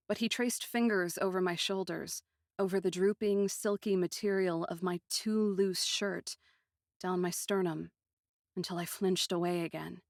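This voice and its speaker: A woman narrating a first-person fantasy story in an expressive, literary manner with deliberate phrasing. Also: on the low side, no echo, studio quality.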